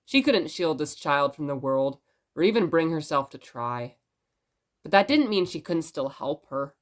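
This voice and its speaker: A woman playing a presenter who reads stories aloud in expressive narration. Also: low voice, measured pace. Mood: measured, tender. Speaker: narrator and host of the show.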